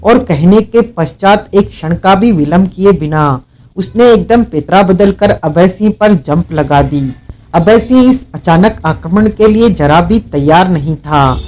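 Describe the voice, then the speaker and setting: A man narrating a dramatic novel as an audiobook, measured and storytelling. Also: sits high, darkish tone, low-quality recording.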